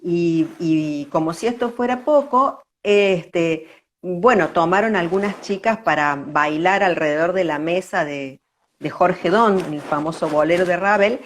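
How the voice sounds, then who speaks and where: Older female interview guest, Argentine accent, lowish pitch. Reflective, conversational storytelling with searching repeats; audible background noise. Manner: reflective, pauses and repeats words.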